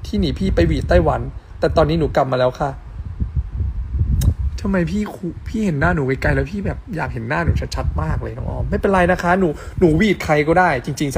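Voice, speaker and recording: A man's voice: on the high side, a little hiss or hum. A man hosting a casual live stream on a phone mic, reading fan comments aloud and chatting affectionately with fans. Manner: spells letters out slowly.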